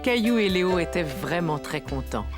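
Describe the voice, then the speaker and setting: A woman playing a gentle storybook narrator for a children's cartoon, telling the story expressively. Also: fairly low pitch, expressive, moderate pace, over loud music, natural voice. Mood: storytelling.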